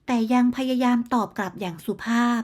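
A woman narrating a moral bedtime story in a steady, measured storytelling manner. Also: on the high side.

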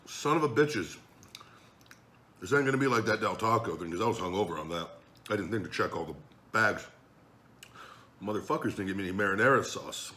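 Low-voiced man talking with his mouth full. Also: expressive, a little fast, long pauses, pushed and bright. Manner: crude, blunt and swearing, rambling jokes. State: talking while chewing. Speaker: mukbang vlogger. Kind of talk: casual chat while eating.

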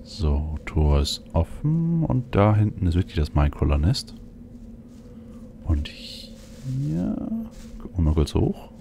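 A male let's play host with a dark, gravelly voice. He comments casually on a game, thinking aloud, with faint game ambience behind him. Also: low voice, big pitch swings, takes it slowly, slight background noise.

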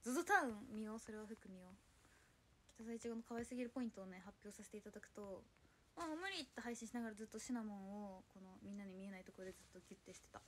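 A woman's voice: mid-range voice, rapid-fire, slight background noise. A young woman, chatting casually on a solo livestream, flustered as she reads and answers viewer comments. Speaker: idol livestreamer.

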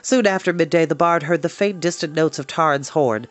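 A young adult man with an American accent, hosting an expressive storytime reading with casual asides. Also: a little high, a little fast, dry recording, faint music behind. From East Cleveland, United States. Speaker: storytime host. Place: small indoor home room with shelves.

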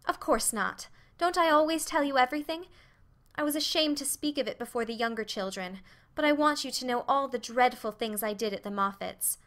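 A woman doing a bright, girlish young Meg. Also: high voice, fairly quick, voice pushed up. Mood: confessing. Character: earnest bashful teenage girl, eager to confess.

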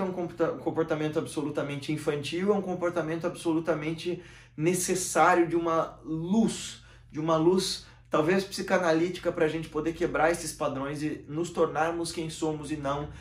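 Animated Brazilian man in a roomy room. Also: normal speed. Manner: expressive, gesturing, shifting volume and pitch often. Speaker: channel host. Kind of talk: animated philosophical monologue to camera. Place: small room with bookshelves, seated in armchair. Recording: roomy echo.

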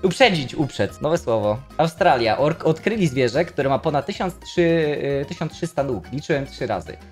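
A man's voice: a little high, lively intonation, normal speed, darkish tone, soft background music. A man hosting a stream, casually reacting to memes in a loose, profane way. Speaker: streamer host.

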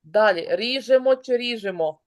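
A woman teacher leads an online lesson in a brisk, encouraging way. Her voice sits a little high, and she keeps calling on pupils by name.

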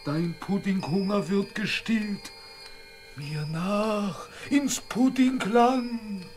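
A man playing a magical talking pudding in a children's radio play, chanting rhymes in a sing-song manner. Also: high voice. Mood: inviting, enchanting. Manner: slow, sing-song rhyming delivery.

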